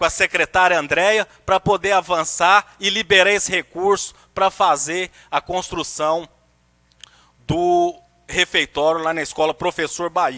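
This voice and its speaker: A man's bright, sharp voice at a moderate pace, fairly even in intonation, with long, frequent pauses over a quiet background. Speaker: city councillor. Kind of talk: political speech. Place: hall. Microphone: podium.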